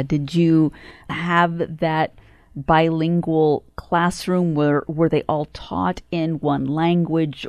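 Deep-voiced woman interviewer, dry sound. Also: darkish tone, no room sound. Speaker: radio interviewer. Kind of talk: interview questions.

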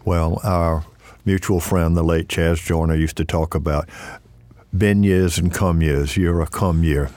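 A man hosting an interview, asking questions in a relaxed, conversational way. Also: sits low, measured pace, dry recording. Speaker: interviewer, host.

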